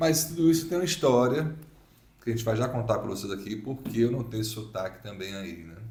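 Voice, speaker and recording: A man with a medium pitch speaks somewhat breathily at a fairly quick pace, his intonation lively and his loudness swinging widely. Audible room echo fills the recording. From Bahia, Brazil (Feira de Santana). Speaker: massage therapist. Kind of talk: podcast interview.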